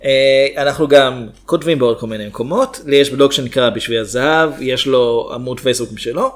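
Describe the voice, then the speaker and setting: A man co-hosting a podcast, trading casual comedic banter with dry, deadpan jokes. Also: mid-range voice. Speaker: podcast co-host.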